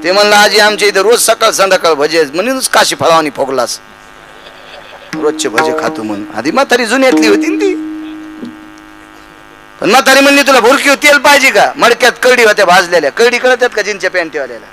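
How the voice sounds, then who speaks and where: High, bright-voiced male kirtan preacher. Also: a little fast, slight background noise, low-quality recording. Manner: animated, acts out voices in anecdotes. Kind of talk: humorous kirtan storytelling. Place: devotional gathering, live audience.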